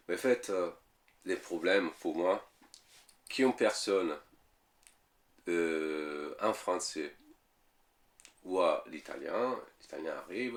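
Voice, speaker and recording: In a casual interview, a low-voiced Italian man in his thirties replies hesitantly in accented French, leaning on fillers and repeated words.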